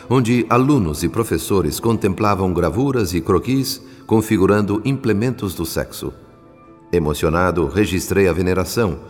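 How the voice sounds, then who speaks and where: A reverent spirit narrator in a Brazilian radio drama. His voice is very low and speaks in formal, measured phrases, with long reverb and music behind it. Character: earnest, reverent male spirit recounting his journey. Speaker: narrator character.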